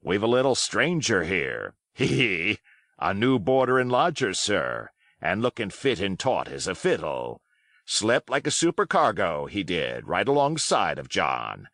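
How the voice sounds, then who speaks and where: A man's voice: sits low, huge pitch swings, a little slow, fairly bright tone, dry recording, clean studio sound, exaggerated voice. A man voicing a jovial, sly old one-legged pirate cook who talks in hearty, wheedling sailor's slang. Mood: sly cheerful. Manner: beaming, hearty, wheedling seafaring talk.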